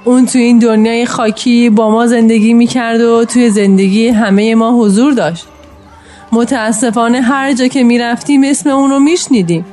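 A man's voice: extremely high pitch, darkish tone, pitched above the performer's own voice. A man voicing a female schoolteacher who leads her class with a firm, solemn manner. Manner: solemn speechmaking.

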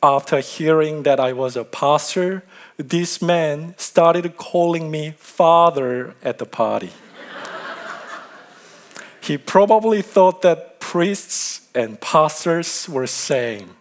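Slow-speaking Korean-accented male pastor. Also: fairly high pitch. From South Korea. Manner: slow, careful delivery with friendly asides. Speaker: guest pastor. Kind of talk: sermon.

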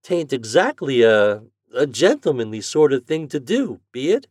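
A man's voice: mid-range voice, very animated, moderate pace, darkish tone, no echo, clean studio sound, pitched above the performer's own voice. A man voicing an old-fashioned, thrifty farm mother in a storybook, speaking in rustic country dialect. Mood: wondering. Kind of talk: storybook character voice.

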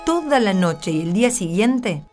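A woman's voice: mid-range voice, big pitch swings, moderate pace, a little mellow, faint music behind. A woman narrating a scripted radio drama as a playful storyteller who addresses the listeners.

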